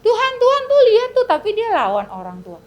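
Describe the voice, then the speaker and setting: A woman's voice: very high voice, huge pitch swings, fast talker, dull audio, pitched above the performer's own voice, full character voice. A woman voicing a sneering devil who tattles on children in a singsong, repetitive way. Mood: accusing.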